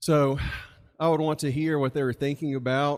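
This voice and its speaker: The speaker is a man. He has a slight Southern US accent. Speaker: open mic storyteller. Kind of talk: personal storytelling at open mic. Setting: live open mic with audience. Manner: casual, conversational.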